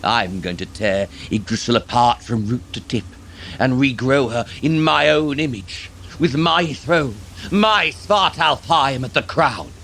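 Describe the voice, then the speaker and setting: An actor playing a theatrical dark elf tyrant in an audio drama, mocking and grandiose, drawing out his words. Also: medium pitch, vocal fry, slight background noise. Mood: grandiose, gloating. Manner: mocking, grandiose, drawn-out delivery.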